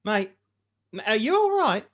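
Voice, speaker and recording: A woman's voice: fairly high pitch, very animated, unhurried. Woman playing a mildly scolding, concerned policewoman. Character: friendly, concerned, literal-minded policewoman gently scolding partygoers. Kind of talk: comedy table read.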